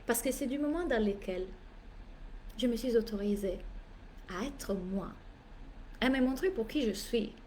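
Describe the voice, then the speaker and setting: A woman coach, French not her first language, talks to her audience in a lively, emphatic way, with theatrical asides. Her voice sits a little high but sounds mellow and soft-edged. A faint hiss runs under the recording. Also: a little slow, long pauses. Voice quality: animated, playful, theatrical asides. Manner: emphatic, repeats phrases for effect. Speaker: business coach. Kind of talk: live masterclass talk.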